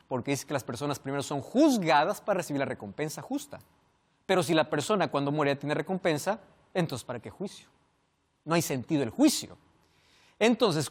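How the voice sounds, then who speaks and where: A man preaching a sermon, asking rhetorical questions and swinging from loud emphasis to hushed endings. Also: on the high side.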